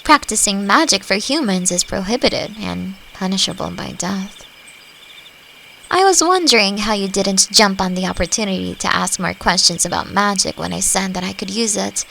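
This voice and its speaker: A woman playing a friendly, thoughtful forest elf in a roleplay audio drama, talking gently and reflectively to the listener. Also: medium pitch, moderate pace, creaky, poor audio. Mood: earnest. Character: friendly, thoughtful female forest elf, long-lived and curious. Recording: faint noise, nighttime forest insect ambience. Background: crickets and forest ambience.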